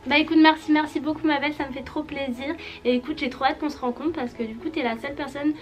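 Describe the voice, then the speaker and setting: A woman youtuber gushing excitedly while she unwraps her gifts. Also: high voice, quick pace, faint music behind. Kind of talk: casual vlog unboxing.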